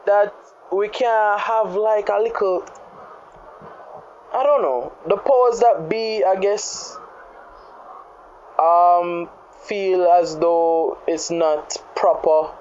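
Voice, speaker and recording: A woman's voice: medium pitch, takes it slowly, pauses often, darkish tone. A woman with a Jamaican accent talking casually and frankly in Jamaican English, dropping in patois phrases. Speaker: podcast host. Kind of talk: casual conversation. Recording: dull lo-fi sound with background noise.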